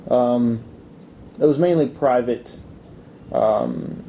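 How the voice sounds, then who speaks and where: A man from Italy answering casual interview questions in a hesitant, measured way. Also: creaky, dark tone. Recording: low rumbling background noise.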